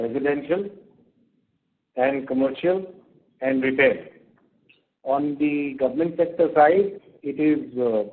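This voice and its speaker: A man with an Indian accent answering investor questions as a company executive, halting and matter-of-fact. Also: medium pitch. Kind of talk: earnings call question and answer. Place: conference call. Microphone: telephone. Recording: narrow tinny phone line.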